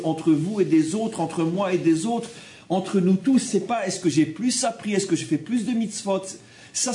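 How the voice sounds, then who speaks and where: A man from France, giving a Torah class, animated and repeating phrases as he makes his points. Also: sits high. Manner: animated, repeats phrases, acts out quoted people. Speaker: religious teacher. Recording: roomy room with faint background ambience.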